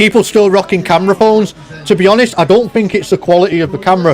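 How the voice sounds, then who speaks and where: The speaker has an animated tone and a fairly quick pace, with noticeable background noise. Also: man. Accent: Mancunian. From northern England, Manchester. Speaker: livestreamer, political commentator. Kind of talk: live stream commentary. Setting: live stream. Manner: casual, animated.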